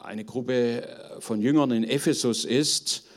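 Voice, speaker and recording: A middle-aged man teaching a group in an informal sermon, earnest and conversational, often halting as he searches for words. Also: medium pitch. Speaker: preacher teaching on spiritual gifts.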